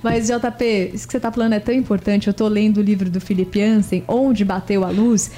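A woman co-hosting a casual film chat, warm and affirming as she responds. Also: mid-range voice, fairly even intonation, brisk. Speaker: co-host of a film chat show.

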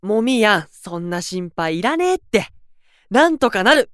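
A carefree, high-voiced young idol. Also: male voice, big pitch swings, moderate pace, fairly bright tone, no echo, clean studio sound. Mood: upbeat. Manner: breezy, boyish, youth slang. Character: cheerful, carefree, slangy young male idol junior. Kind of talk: Japanese anime-style audio drama acting.

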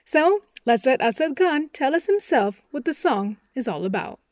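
Woman radio host, high bright voice, dry close studio sound, lively introducing tone. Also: normal speed, no echo. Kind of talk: scripted radio presenting.

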